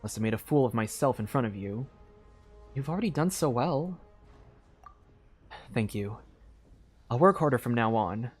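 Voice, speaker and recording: Earnest fantasy game fighter, acted by a male streamer, mid-pitched, scripted delivery, music underneath. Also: lively intonation, normal speed, pauses often, husky. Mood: earnest, concerned. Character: earnest game characters discussing battle preparations. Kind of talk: cold-read game dialogue.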